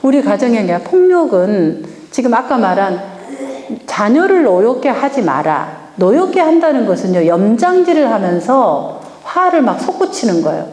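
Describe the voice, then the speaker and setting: Lively woman lecturing in an echoey hall. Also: on the high side, moderate pace. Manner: lively, asks the audience questions and acts out sample lines. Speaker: family communication lecturer. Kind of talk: lecture to an audience. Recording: echoey hall with long reverb.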